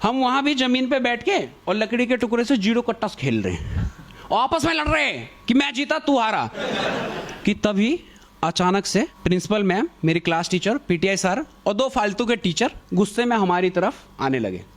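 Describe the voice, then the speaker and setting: A young man doing stand-up comedy, telling a school story and acting out the people in it with shifting voices. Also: normal speed. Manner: animated, acts out quotes with shifting pitch. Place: comedy stage with audience.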